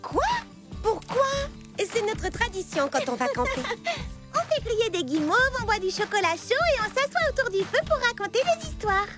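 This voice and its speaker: An animated, high cartoon girl. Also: normal speed. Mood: eager. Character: lively cartoon girl, camping friend. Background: loud cartoon music.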